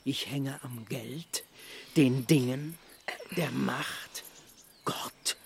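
A man's voice: mid-range voice, drawn-out words, gravelly, a little hiss or hum. A man playing a haughty, menacing upper-class hunter in a radio drama, speaking with condescension. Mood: menacing, savouring. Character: arrogant upper-class hunter, menacing, obsessive murder suspect. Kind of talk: German radio drama acting.

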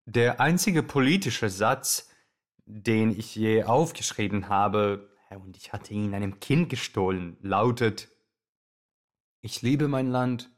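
An actor playing a reflective radio host, delivering a deliberate scripted monologue about his own past. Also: fairly low pitch. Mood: subdued, wry. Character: reflective radio host recalling his Balkan immigrant upbringing. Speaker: radio show presenter.

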